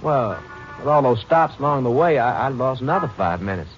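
A man's voice: medium pitch, animated, fairly quick, lightly acted. A man playing an easygoing Texas bus driver, casual and clipped, in an American 1950s radio drama. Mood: matter-of-fact. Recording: dull vintage radio recording with music.

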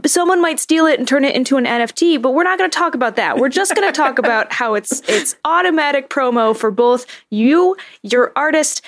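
A woman's voice: high voice, lively intonation. A woman co-hosting a casual podcast, playful and joking. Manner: playful, joking, quick asides. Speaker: podcast co-host. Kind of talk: casual chat.

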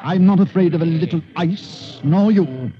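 A man with an English accent voicing a precise, cool-headed young English gentleman in an old radio story. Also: sits high, moderate pace, voice pushed up, lightly acted. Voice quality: crisp, precise diction. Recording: muffled old radio broadcast.

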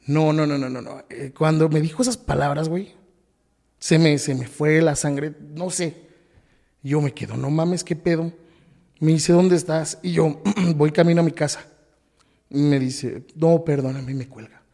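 A man with a Mexican Spanish accent, guesting on a podcast, relates a painful personal story haltingly, with many restarts and repetitions. His slightly high voice stays steady and mellow, and the recording echoes like a large hall.

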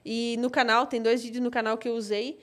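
A woman's voice: fairly high pitch, little pitch movement, a little fast, a bit bright. A young woman, a content creator, chatting casually as an interview guest, talkative and full of fillers.

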